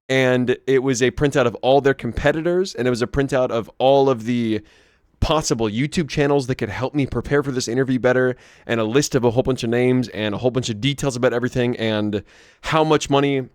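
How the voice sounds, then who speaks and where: A hoarse young man vlogging, telling a rambling story to camera with many restarts and asides. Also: medium pitch, dry recording, clean studio sound.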